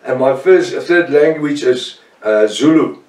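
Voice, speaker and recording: Slow, insistent Afrikaans-accented preacher. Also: male voice, mid-range voice, echoey room, far from the mic. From South Africa. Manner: insistent, repeats key phrases, trails off quietly at ends. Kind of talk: teaching sermon.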